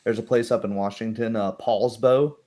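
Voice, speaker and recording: A man's voice: fairly low pitch, steady tone, moderate pace, warm tone. A man chatting casually as the game master of a roleplay group, rambling and interrupting himself. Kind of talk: casual post-game discussion.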